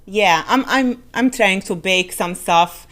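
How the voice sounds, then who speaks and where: A woman's voice: mid-range voice, slow, a bit bright, a little hiss or hum. A woman from Malta with a Maltese accent, hosting a casual live-stream chat, laughing often and mixing in Maltese words. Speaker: streamer host interviewing a guest.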